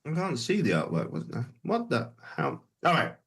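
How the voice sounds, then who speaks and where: This co-host of a music review livestream has a medium-pitched, husky, somewhat bright voice whose pitch swoops wildly, though his speed stays normal. He keeps the chat loose and easygoing, wandering from point to point and hesitating often.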